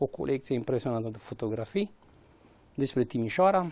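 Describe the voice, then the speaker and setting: A man's dark, mellow tone at a moderate pace, dry with no echo. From Romania, Caraș-Severin (Almăj area); Caraș-Severin, Romania. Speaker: heritage preservation association director; guest. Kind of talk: studio interview. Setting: TV studio. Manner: hesitant, with fillers. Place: studio. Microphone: lapel.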